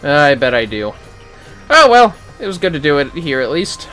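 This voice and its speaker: A man's voice: fairly high pitch, very animated, moderate pace, a bit bright, soft background music, rough recording. A man giving casual, sweary and reactive commentary while livestreaming a video game.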